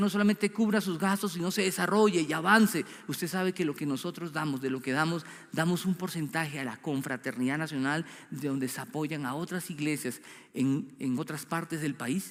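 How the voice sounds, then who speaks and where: His voice is high for a man, with pitch that varies in an ordinary way. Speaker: pastor. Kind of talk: sermon.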